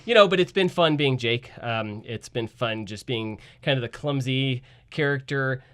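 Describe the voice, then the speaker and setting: A man's voice: medium pitch, moderate pace, fairly bright tone, clear, resonant tone. A man, a voice actor, talking casually and reflectively as a guest in a radio studio. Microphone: studio microphone.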